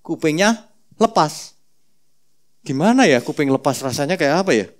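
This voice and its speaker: A male pastor preaching a sermon with a lively, bouncy delivery that swings widely in pitch. His voice sits a little high for a man. He tells the story playfully, with many asides. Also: normal speed.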